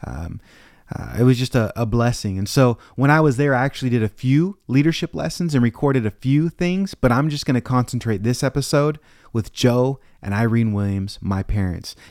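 Recorded very cleanly with a silent background and a dry, close sound with no echo, a man with an unremarkable speaking voice talks at a moderate pace and medium pitch, with lively intonation. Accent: American. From US Pacific Northwest (Tacoma, Washington). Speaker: pastor and podcast host. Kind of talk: podcast introduction and reflection. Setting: office recording.

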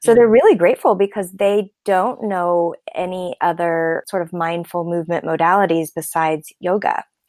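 A woman with an American accent uses a normal speaking voice at a fairly low pitch, moving at a moderate pace with hardly any pauses and fairly even intonation, the sound dry and close with no echo. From Oklahoma. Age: 40s. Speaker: yoga and Pilates educator. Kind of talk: interview.

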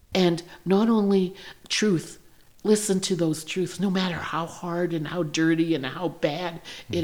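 A woman talks with fairly even intonation. Noticeable background noise sits behind her. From southern Alberta, Canada (Blackfoot reserve). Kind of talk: casual interview, storytelling.

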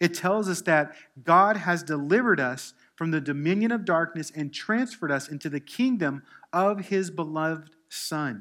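A high-pitched man speaks at a moderate pace with a slight Southern US accent and a bright, sharp tone. His pitch varies in an ordinary way, and the recording is very clean with a silent background. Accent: slight Southern US on some words. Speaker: pastor. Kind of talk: sermon. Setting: church.

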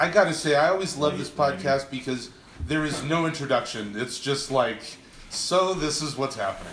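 Amid noticeable background noise, a man with a fairly high pitch and lively intonation talks at a fairly quick pace. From New York, US; Puerto Rican heritage. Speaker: stand-up comedian. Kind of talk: casual chat.

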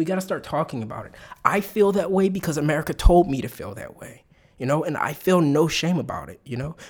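A man's very fast, animated delivery with lively intonation, fairly high pitch, vocal fry and big swings in loudness. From Philadelphia, US East Coast. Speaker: podcast guest. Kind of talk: casual conversation.

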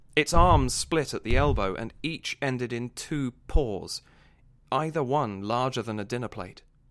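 A man with a normal speaking voice talks at medium pitch and a fairly slow pace, with lively intonation and big swings in loudness. The recording is very clean, with a silent background. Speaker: podcast host and narrator. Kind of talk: horror audiobook narration, first-person.

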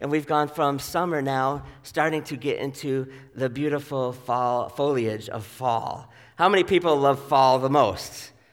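A man with an American accent has an unremarkable speaking voice at a fairly high pitch. He talks at a fairly slow pace with fairly even intonation. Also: very clean recording, silent background. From US Northeast, Syracuse area. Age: 40s. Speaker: pastor. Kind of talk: sermon. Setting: church.

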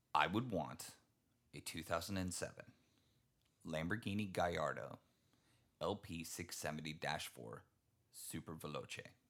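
Slow-paced and full of long, frequent pauses, a man speaks with a very deep, low pitch, vocal fry and ordinary pitch variation. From Texas. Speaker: car podcast host. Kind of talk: casual chat.

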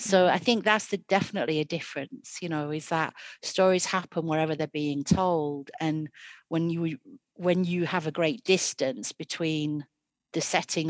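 A woman with an English accent and a very deep, low pitch talks at a moderate pace with ordinary pitch variation. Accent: English, noticeable in America. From England, south then Yorkshire. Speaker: storyteller. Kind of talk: casual interview chat; storytelling performance.

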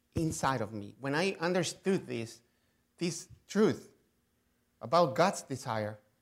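With very wide pitch swings, a man in a Mexican accent speaks at a fairly slow pace. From Mexico. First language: Spanish. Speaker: pastor. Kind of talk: sermon. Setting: church. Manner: halting.

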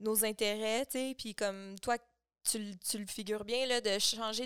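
A woman's fairly high voice with a Quebec accent, at a fairly slow pace, in a dry, close sound with no echo. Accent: Québécois French. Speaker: podcast host. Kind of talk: casual chat. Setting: studio.

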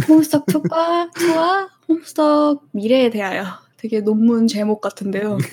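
Her pitch high, a woman talks at a fairly slow pace with very wide pitch swings. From South Korea. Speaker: webcomic fan community organizer. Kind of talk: casual chat.

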